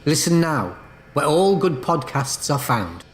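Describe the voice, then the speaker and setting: A man's voice: on the high side, very animated, unhurried. Casting: male dramatic trailer announcer, echoing, light music bed. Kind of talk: dramatic scripted trailer narration.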